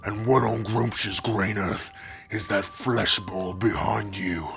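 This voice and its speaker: A man voicing a scheming, mocking older orc chieftain with a rough, gravelly voice, theatrical and boastful, in an ASMR roleplay. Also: fairly low pitch, fairly even intonation, slow pace, a bit bright, faint music behind, full character voice.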